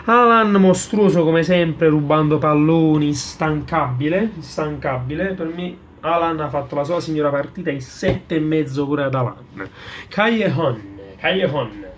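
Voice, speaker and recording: A man with a Neapolitan accent and a fairly high voice talks football over music. His delivery is casual and halting, full of local street slang. He doubles back on words to drive them home, like a fan addressing his channel. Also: a little hiss or hum. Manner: halting, repeats words for emphasis. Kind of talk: casual post-match player ratings, fan commentary. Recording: clear music behind the voice.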